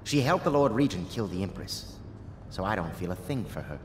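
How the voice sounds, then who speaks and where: Resolute plotter, low voice, grim, game dialogue, echoey and noisy. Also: male voice, sing-song, fairly quick. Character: grim, resolute male conspirator. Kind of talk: video game voice acting. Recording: echoey room, clear background noise.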